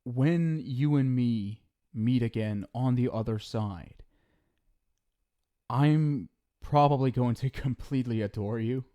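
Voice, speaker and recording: A man's voice: medium pitch, slow pace, mellow, natural voice. A man playing an affectionate, centuries-old ghost soulmate in an intimate ASMR roleplay, speaking casually and hesitantly. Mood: tender, reassuring. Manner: casual, hesitant, tender, reassuring.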